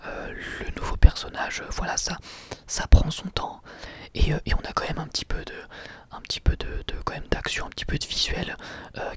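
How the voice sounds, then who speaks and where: A man's voice: on the high side, slightly rough. A man whispering a casual ASMR review of an anime episode, chatty and hesitant, often asking viewers for their opinions. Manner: soft whisper throughout, casual with frequent hesitations.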